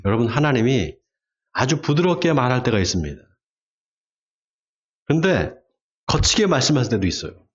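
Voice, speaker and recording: A male pastor preaching a sermon who acts out shouted quotes in sudden bursts. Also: medium pitch, sing-song, moderate pace, pauses often, dull audio. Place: church sanctuary.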